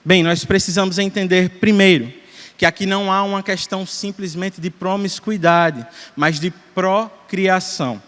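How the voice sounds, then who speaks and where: Man, Brazilian Portuguese accent, preacher, measured and emphatic, rhetorical questions, long church-hall echo. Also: sits high, steady tone, a bit bright. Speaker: presbyter preaching. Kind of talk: expository sermon. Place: church sanctuary.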